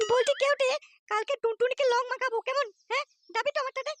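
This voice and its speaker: A cheeky, boastful little boy for a comedy cartoon. The voice is extremely high and piercingly bright, with a childish lisp and a foul mouth. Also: moderate pace, no echo, faint music behind. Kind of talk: comic cartoon dialogue.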